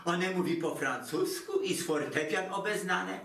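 A man's voice: high voice, a little slow, vocal fry, a bit bright, full character voice. An actor playing a fretful, theatrical elderly Jewish mother who speaks Polish with a Yiddish inflection, lamenting in a singsong voice. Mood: complaining. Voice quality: singsong lamenting, broken grammar. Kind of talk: comic stage monologue. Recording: roomy, distant mic.

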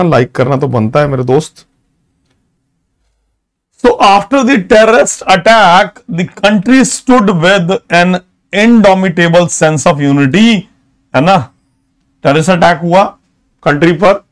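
A man teaching English vocabulary in a live online class, moving between Hindi and English. He reads English examples slowly and praises students by name. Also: on the high side. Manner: switches between Hindi and English, with slow, drawn-out English example sentences; praises students by name and urges them to take notes.

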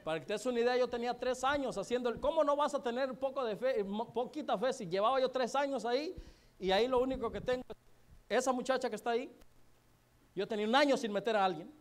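A man speaking in a rather high register and telling his success story as a motivational speaker. He jokes constantly and throws asides and questions at the audience in a relaxed, colloquial tone. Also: fast. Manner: joking, colloquial, chatty with many asides to the audience. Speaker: motivational speaker at a business event. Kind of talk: humorous storytelling to a live audience.

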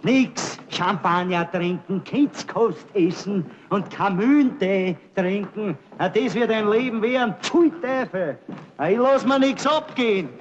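Brief: a cheeky youth spirit, very high and slow, teasing; dull old film sound. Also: male voice, animated, a little hiss or hum.

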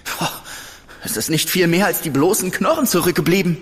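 Casting: a scholarly doctor, high lively voice, reverb. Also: male voice, fairly quick. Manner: precise, scholarly. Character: earnest, learned doctor examining corpses.

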